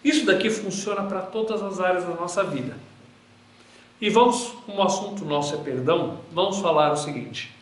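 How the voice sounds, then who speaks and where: A man's voice: sits high, brisk. A man teaching a Bible class to a group, preaching earnestly in a room with a projector, repeating phrases for emphasis. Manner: earnest, repetitive preaching cadence. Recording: roomy echo in a hall.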